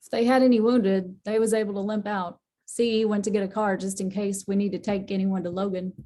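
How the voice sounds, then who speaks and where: A woman's voice: mid-range voice, level tone, a little fast, mellow, natural voice. A woman playing a tough, foul-mouthed small-town matriarch, blunt and folksy, in a drama table read. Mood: grimly matter-of-fact.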